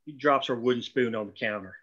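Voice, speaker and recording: A man's voice: mid-range voice, brisk, sharp tone, a little hiss or hum. A man narrating screenplay stage directions in a scripted read, on dull lo-fi audio.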